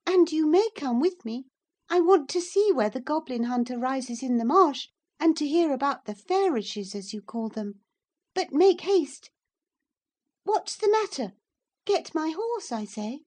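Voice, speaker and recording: A woman voicing a shrill, spoiled young girl. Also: expressive, measured pace, a little mellow. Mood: imperious. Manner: shrill, demanding, indignant. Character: spoiled, imperious young girl, petulant and tearful. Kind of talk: audiobook character reading.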